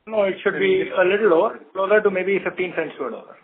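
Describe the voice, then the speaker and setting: A man, a bank executive giving measured, numbers-focused answers on an earnings call. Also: sits high, narrow, tinny audio, crowd noise. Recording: telephone conference line.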